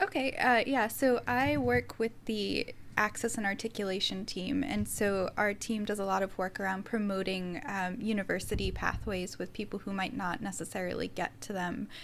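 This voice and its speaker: This woman has an ordinary speaking voice with an American accent, medium in pitch with ordinary variation. She keeps a moderate pace and hardly pauses. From United States. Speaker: university project coordinator and researcher. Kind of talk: podcast interview.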